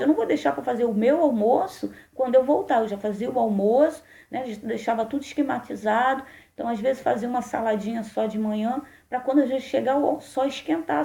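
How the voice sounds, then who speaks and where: A woman's voice: fairly high pitch, creaky, mellow. A woman pastor with a Brazilian Portuguese accent, telling a personal testimony in a sermon with emotional, conversational storytelling. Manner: emotional storytelling, addresses listeners as brothers. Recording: echoey room.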